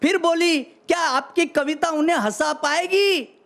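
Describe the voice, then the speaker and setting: A man reciting a comic poem on stage in a deadpan way, repeating each punchline. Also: very high-pitched, measured pace, creaky. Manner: deadpan, repeats lines for effect. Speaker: comic poet.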